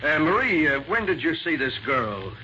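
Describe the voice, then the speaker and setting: Gruff police sergeant, higher-pitched, old radio. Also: male voice, sing-song, moderate pace, bright, forceful tone, slight background noise, heavily acted. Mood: brisk, probing. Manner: brusque, curt, grumbling. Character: gruff, suspicious, impatient male police homicide sergeant. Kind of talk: 1940s radio crime drama acting. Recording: dull lo-fi 1940s radio recording.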